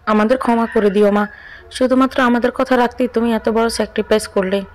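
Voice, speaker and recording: A woman voicing a gentle, caring middle-aged mother-in-law who speaks softly and pleadingly. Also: on the high side, fairly even intonation, brisk, a little hiss or hum, lightly acted. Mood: apologetic.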